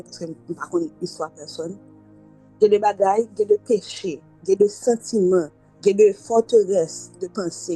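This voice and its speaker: A woman preaches in a loose, conversational way, laughing and acting out little dialogues. Her voice is warm and slightly breathy. Soft music plays faintly underneath. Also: lowish voice, rough recording. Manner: conversational, animated with laughs and acted-out quotes. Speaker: preacher leading midday prayer. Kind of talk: informal sermon, mixing Creole, French and English.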